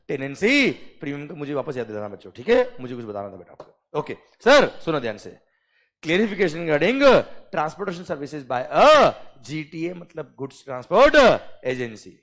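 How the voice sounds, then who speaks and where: A middle-aged man teaching a classroom of students, lively and constantly checking that they follow. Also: a little high. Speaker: tax lecturer. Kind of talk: classroom lecture in Hindi-English mix.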